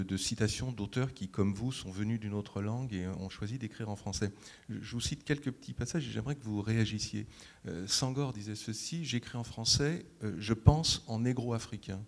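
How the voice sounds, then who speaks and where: Gravelly low-voiced male interviewer. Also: darkish tone. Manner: measured and courteous, with hesitant restarts. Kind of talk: interview questions, reading quotations.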